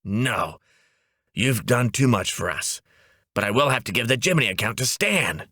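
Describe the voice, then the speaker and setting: Here a male narrator plays a sharp-tongued woman who runs an office, sounding bright, forceful, and animated at a moderate pace. His breezy, blunt, emphatic reading bounces in pitch like a comedic audiobook. The studio-quality recording has no room sound.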